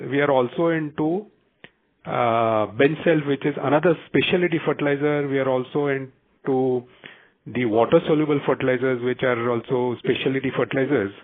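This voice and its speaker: A man's voice: medium pitch, creaky. Indian-accented male executive on a phone line. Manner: measured, halting phrasing with frequent pauses. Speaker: company executive giving management commentary. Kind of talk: earnings call presentation, semi-prepared business remarks. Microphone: telephone conference call. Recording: tinny, narrow-band conference phone line.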